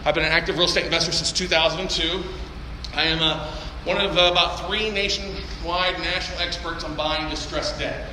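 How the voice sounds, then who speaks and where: Loud joking man on a conference stage. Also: fairly high pitch, steady tone, brisk. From Texas. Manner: loud, joking and brash, swears casually. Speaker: seminar speaker. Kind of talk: live seminar talk to an audience. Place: large conference hall. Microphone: handheld or stage mic through PA. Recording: echoey hall, noisy room.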